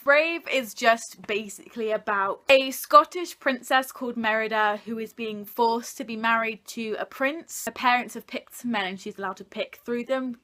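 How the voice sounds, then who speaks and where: Young woman vlogger, really bright forceful voice, kinda high, chatty n opinionated, casual countdown review. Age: young adult. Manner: informal, jokey, opinionated with casual swearing. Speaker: video blogger.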